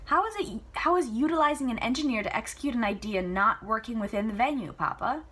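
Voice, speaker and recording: Storybook role: young woman magician, sarcastic, challenging, exasperated daughter, raised pitch, played by a woman reader. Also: animated, fast talker, sharp tone, breathy edge, exaggerated voice. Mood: proud, playful. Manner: emphatic, challenging. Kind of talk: storybook character reading.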